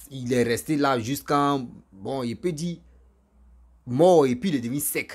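A man at a very slow pace, with ordinary pitch variation, against a quiet background. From Ivory Coast, village upbringing. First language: Ivorian local languages (speaking French). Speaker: YouTuber. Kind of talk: casual vlog monologue. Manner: animated, repetitive. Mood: earnest, warning. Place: home room. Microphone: studio mic.

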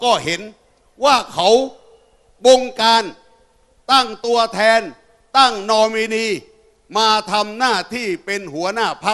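The tone is bright and sharp, with ordinary pitch variation. The background is quiet. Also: man. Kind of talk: political rally speech. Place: stage. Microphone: handheld.

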